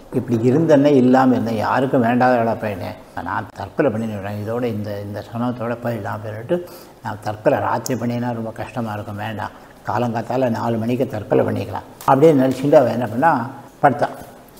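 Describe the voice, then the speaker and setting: The voice has fairly even intonation and big swings in loudness, with noticeable background noise. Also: man, medium pitch for a man. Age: 80s+. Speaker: devotee of a spiritual teacher. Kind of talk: interview answer, personal story.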